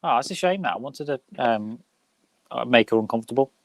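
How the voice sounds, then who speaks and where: A man's voice: medium pitch, lively intonation, a little fast, vocal fry, crowd noise. A man hosting a casual live-stream film chat over a video call, full of playful banter. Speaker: host.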